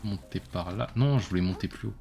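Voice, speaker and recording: A man's voice: low voice, a little fast, creaky, mellow, faint music behind. A man casually commenting on his own gameplay during a live stream, chatty and self-mocking as he talks to his chat.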